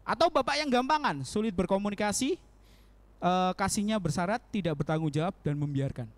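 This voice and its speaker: Lively high-voiced young male preacher. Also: a little fast, no echo. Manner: animated, acts out prayers in quoted voices, laughs often. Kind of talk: casual sermon. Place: church hall.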